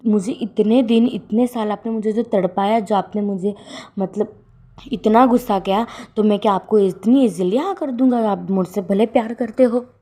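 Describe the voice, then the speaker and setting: A woman's voice: mid-range voice, normal speed, dark tone, natural voice. A woman voicing a flustered young man in love who stammers over his words, in a fan fiction story read aloud. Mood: hurt, doubtful.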